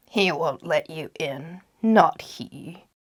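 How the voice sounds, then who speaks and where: Using a put-on character voice, a woman sounds gruff and growling, her fairly low pitch carried by lively intonation. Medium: read story. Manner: sulky, curt, muttering.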